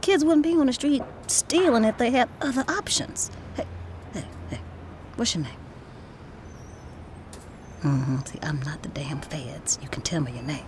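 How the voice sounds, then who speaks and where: A woman's voice: on the low side, a little slow, long pauses, a little mellow, a little hiss or hum, lightly acted. An actress in an audio drama playing a bold, protective woman activist who is kindly to strangers and speaks firm, coaxing Black American vernacular. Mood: coaxing, earnest. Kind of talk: naturalistic audio drama acting.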